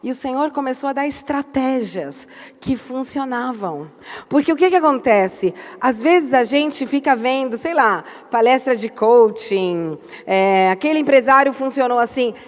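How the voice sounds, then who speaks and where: A woman pastor giving an animated church talk, telling stories with emphatic outbursts. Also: sits high, a little slow, in a large hall.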